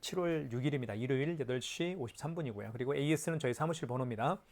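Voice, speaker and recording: A man's voice: medium pitch, racing, darkish tone. A man presenting a product in a hands-on tutorial, explaining step by step in an instructive way with rhetorical questions.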